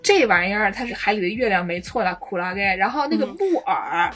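Fast-talking, playful woman podcaster. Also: medium pitch, animated, fairly bright tone. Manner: playful, explains with jokes and wordplay. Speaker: podcast co-host; foreign language teacher. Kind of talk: casual podcast chat.

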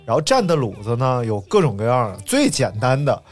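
Male, lively swooping intonation, casual chat, jokey, explanatory, music behind. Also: medium pitch, a little fast.

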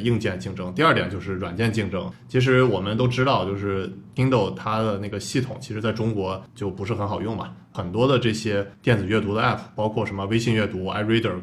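A lower-pitched man hosts a tech podcast and talks at a brisk clip. He works through his view one numbered point at a time, in a relaxed, chatty way. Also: a little hiss or hum. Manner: lays out arguments point by point. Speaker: podcast host. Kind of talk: casual chat.

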